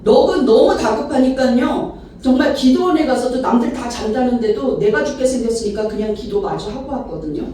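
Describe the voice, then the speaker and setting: A woman pastor preaches with lively energy, her voice pitched high and throwing itself into the cries of the people she describes. She sounds set back from the microphone, with a heavy wash of reverb from a large church hall and a faint hiss of the room behind her. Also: fast, few pauses. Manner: animated preaching, acts out quoted cries. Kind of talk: sermon at a church retreat. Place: church sanctuary. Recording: echoey hall, mic at a distance.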